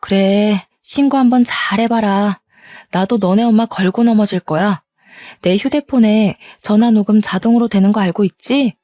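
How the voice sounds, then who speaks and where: A woman's voice: medium pitch, normal speed, dark tone, dry recording, natural voice. A woman voicing a mocking, whiny mama's-boy husband in a told story. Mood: sneering. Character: sneering mama's-boy husband, young man.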